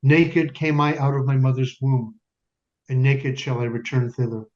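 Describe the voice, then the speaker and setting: A man's voice: medium pitch, fairly even intonation, a little mellow, close to an everyday voice. A man playing a grieving ghetto father, muffled recording. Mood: grim, resolute. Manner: deliberate, weighty phrasing with pauses and repetitions. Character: grieving, stern yet tender Jewish father in wartime ghetto. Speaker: stage actor in community theater. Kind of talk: dramatic stage monologue, solemn narration. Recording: dull lo-fi recording, music underneath.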